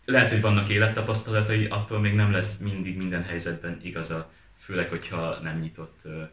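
Bright, low-voiced man in an echoey room. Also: level tone. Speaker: talk co-host. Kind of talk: casual chat.

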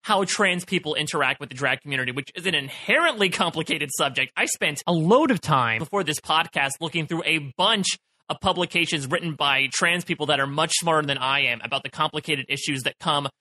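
A man's voice: on the high side, a little fast, bright, forceful tone. A man co-hosting a podcast, chatting casually in long, run-on thoughts about a TV episode. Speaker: podcast co-host. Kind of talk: casual podcast recap chat.

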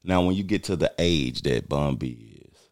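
Deep-voiced man in his forties, blunt. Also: animated, moderate pace, a little mellow, dry recording, studio quality. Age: 40s. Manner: blunt, emphatic, streetwise talk. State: losing his voice. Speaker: podcast host. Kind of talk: casual commentary.

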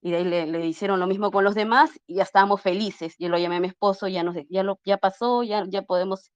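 A woman's voice: mid-range voice, fairly even intonation, fast talker, smooth, dry recording. Earnest woman recounting a story. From Peru. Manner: earnest, acts out dialogue while retelling, frequent restarts. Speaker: interview guest. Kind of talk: casual storytelling. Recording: slightly muffled lo-fi audio.

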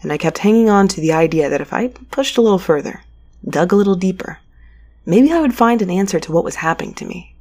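Foul-mouthed space courier, husky low-set voice, sardonic muttering, restless, audio drama narration. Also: female voice, lively intonation, fast talker, darkish tone. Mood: restless, determined. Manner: sardonic, muttering to self, conversational. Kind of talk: audio drama acting with first-person narration.

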